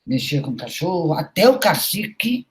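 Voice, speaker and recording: A woman's voice: on the low side, very animated, normal speed, slight background noise. A middle-aged woman, a university professor, giving a recorded lecture in an anecdotal, storytelling way with frequent conversational tags.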